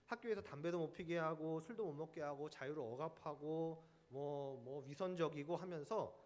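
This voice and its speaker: Young guy pastor storytelling from the pulpit, lively swoopy pitch, lots of hall reverb. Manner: storytelling, acting out quoted voices. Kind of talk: sermon. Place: church sanctuary.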